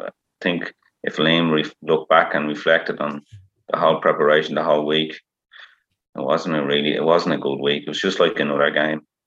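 With a Dublin accent, a man talks at a fairly quick pace, broken by long, frequent pauses. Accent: Dublin Irish. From Dublin, Ireland. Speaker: former footballer. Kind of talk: casual interview.

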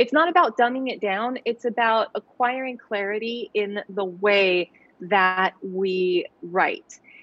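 This woman speaks with an American accent and a fairly high pitch. Her pace is very slow, with ordinary pitch variation. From United States. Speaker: lawyer and legal translator. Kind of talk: interview.

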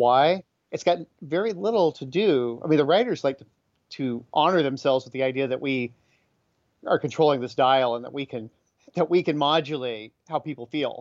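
At a moderate pace, a man talks with a fairly high pitch and ordinary pitch variation, his loudness swinging widely in a dry, close sound with no echo. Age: 50s. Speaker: horror fiction author. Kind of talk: interview. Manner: halting with frequent repetitions.

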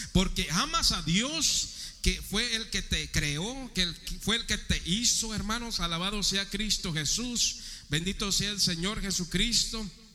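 A raised, projected voice speaks at a very slow pace amid audible room echo and noticeable background noise. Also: man. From Mexico (rural ranch). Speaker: church brother preaching. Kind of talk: sermon.

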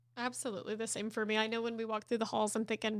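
This woman speaks in an American accent. Her pitch sits fairly high. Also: very clean recording, silent background. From Oklahoma, Edmond and Broken Arrow. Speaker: choir teacher. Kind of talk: casual chat.

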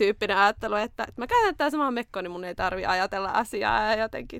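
Dry and close with no echo, a woman's fairly high voice races at a very fast pace with lively intonation. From Finland, Kuopio (Savo). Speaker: psychologist, podcast host. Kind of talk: podcast interview.

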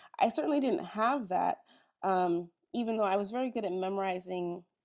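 The voice has a dark, mellow tone with ordinary pitch variation. The recording is very clean, with a silent background. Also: woman. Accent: American. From Northern California, Oakland-Berkeley area. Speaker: author and parent. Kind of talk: casual interview.

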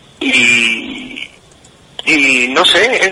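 A man's voice over noticeable background noise. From Guatemala, Quetzaltenango. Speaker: singer-songwriter. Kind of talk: interview. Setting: remote call.

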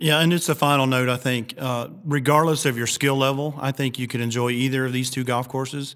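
The speaker talks very fast with monotone, flat intonation in an American accent. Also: man. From Virginia, Bath County. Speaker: golf professional. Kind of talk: interview.

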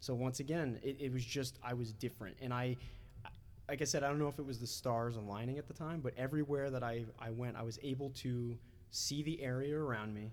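Music plays behind a man with an American accent who speaks fairly quickly at a medium pitch with fairly even intonation. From New Jersey. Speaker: podcast host. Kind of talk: casual interview chat.

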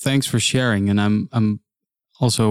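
A normal speaking voice moves at a moderate pace with fairly even intonation. The recording is very clean with a silent background and a dry, close sound with no echo. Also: man. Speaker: podcast host and interviewer. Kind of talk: casual interview.

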